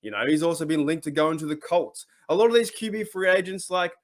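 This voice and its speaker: A man's voice: on the high side, fast talker. A man with an Australian accent hosting a sports talk channel, chatting casually and rambling with many restarts. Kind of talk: casual solo commentary.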